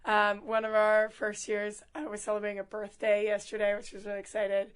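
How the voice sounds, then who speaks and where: A hoarse young woman, a student athlete and team captain, chatting casually in an interview with frequent laughs and fillers. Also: medium pitch, monotone, fairly quick. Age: young adult. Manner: upbeat, laughs often, many fillers.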